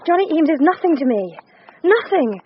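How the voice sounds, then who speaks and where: Brief: a young woman in love, high voice, dull faintly hissy sound. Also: very animated, normal speed. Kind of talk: radio drama acting. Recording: dull broadcast audio, faint hiss.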